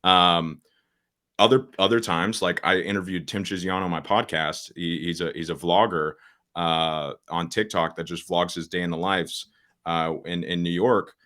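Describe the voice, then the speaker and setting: Teen male guest, very deep low voice, blunt and straightforward, casual podcast chat with lots of fillers. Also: steady tone, normal speed, fairly bright tone. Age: late teens. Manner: straightforward, full of fillers and restarts. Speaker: social media coach, podcast guest.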